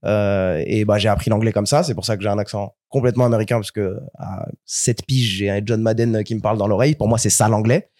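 A man's voice: on the low side, brisk, few pauses, no echo, studio quality. A young man from France, a guest in a casual interview, telling stories with animation and frequent restarts. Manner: animated storyteller, repeats words as he restarts.

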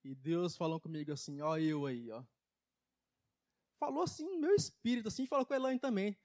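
A man preaching a folksy testimony sermon in church, emphatic, with loudness and pitch that swing widely. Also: sing-song, quick pace. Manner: folksy, laughs at his own jokes. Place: church service.

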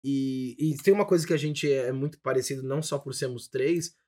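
A man's voice: medium pitch, fairly quick, a little mellow. A man hosting a casual interview chat, asking frank, jokey questions. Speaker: podcast host.

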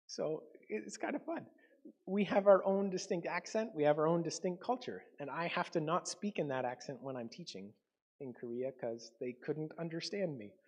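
A man's voice: on the high side, moderate pace, darkish tone. A man from Canada preaching a conversational sermon to his congregation, with frequent ums and self-corrections. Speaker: pastor.

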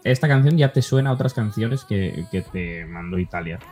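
A man's voice: lowish voice, animated, a little mellow. A man co-hosting a podcast, presenting songs and commenting in casual conversation. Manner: presenting songs, quick remarks. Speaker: podcast co-host. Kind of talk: casual chat.

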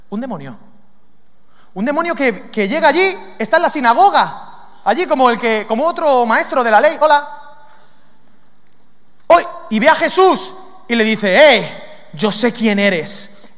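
A man from preaching a lively sermon, questioning his listeners and acting out lines from scripture. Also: extremely high pitch. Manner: lively, asks the audience questions, acts out demons' lines. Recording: long hall reverb.

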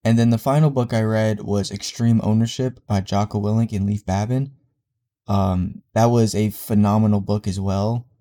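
A man's voice: on the low side, fairly even intonation, moderate pace, warm tone. A young man with a congested voice hosting a casual solo podcast, rambling with fillers and restarts. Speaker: podcast host.

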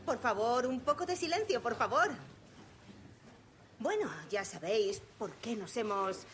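A woman's voice: on the high side, big pitch swings, unhurried, a little hiss or hum. Woman addressing a room. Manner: addressing a room, calling for quiet. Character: woman giving a speech at a gathering.

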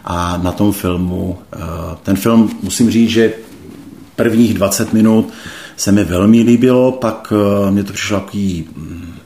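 A middle-aged man slowly and thoughtfully recounting a personal faith experience, hesitating often. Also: lowish voice, dark tone. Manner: slow, hesitant, thoughtful, many pauses and fillers. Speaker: interview guest. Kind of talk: reflective personal testimony.

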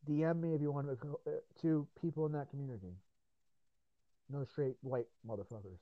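A man's voice: fairly high pitch, fairly even intonation, fairly quick, no echo. A man hosting a podcast in casual chat, swearing, rambling and laughing often, his voice tired after hours of talking. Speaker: podcast host. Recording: tinny phone-like line.

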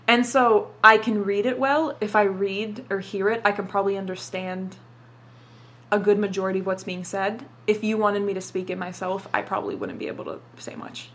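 Her mid-range voice has a fairly bright tone as she answers questions in a casual interview. A young adult who grew up in Dubai with Arabic as her first language, she swears freely and says "like" constantly.

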